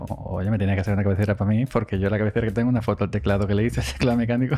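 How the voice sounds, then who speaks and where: A man's very fast speech at a fairly low pitch, with ordinary pitch variation and music in the background. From Spain, Andalusia (Córdoba). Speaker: tech podcast host. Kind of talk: casual interview chat. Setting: video call.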